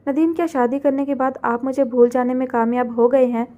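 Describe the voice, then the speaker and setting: A woman's voice: high voice, little pitch movement, brisk, mellow, lo-fi sound, close to an everyday voice. A woman voicing a heartbroken young woman who speaks through tears, reproachful and pleading.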